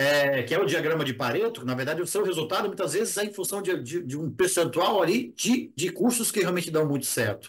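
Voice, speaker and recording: This man talks at a fairly quick pace with hardly any pauses. His high voice carries lively intonation. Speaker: education business consultant. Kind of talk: online Q&A session. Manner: fast; halting, stumbles over words.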